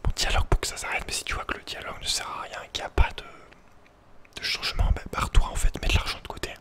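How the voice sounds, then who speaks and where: A man whispering in a breathy, unvoiced voice, chatting informally and hesitantly in ASMR style. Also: fast. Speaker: ASMR video creator. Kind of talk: whispered ASMR, casual rambling chat.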